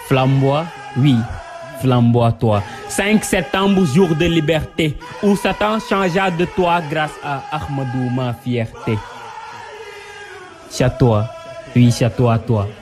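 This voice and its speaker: A man's voice: medium pitch, lively intonation, slow pace. A man reciting a devotional poem in a solemn, emphatic, rhythmic and exalted declamation. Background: music under the voice.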